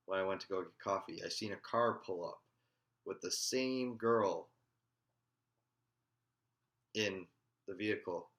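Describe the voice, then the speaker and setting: A man telling a personal story in a halting, casual way. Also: deep voice, bright, forceful tone. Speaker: vlogger.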